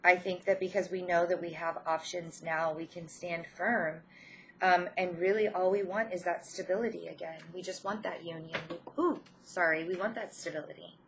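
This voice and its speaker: Casting: woman, lowish voice with a head cold, gentle encouraging online tarot reader, hesitant phrasing, slight background noise. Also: fairly even intonation, moderate pace. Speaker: spiritual tarot reader and channel host. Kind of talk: informal spiritual card reading to viewers.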